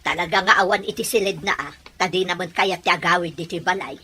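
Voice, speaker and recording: An actress playing a stern, resentful mother in a radio drama, nagging and exasperated, with a husky voice and Filipino Ilocano accent. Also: fairly low pitch, fairly even intonation, fast, sharp tone. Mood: bitter.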